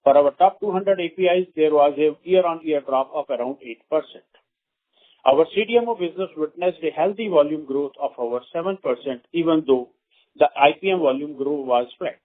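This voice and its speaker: Over a narrow, phone-like connection comes a man with an Indian accent and a fairly high-pitched voice. He reads prepared corporate remarks in a formal manner, with occasional halting stumbles, as an executive presenting on an earnings call. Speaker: company executive. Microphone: phone conference call. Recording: narrow, tinny phone conference line.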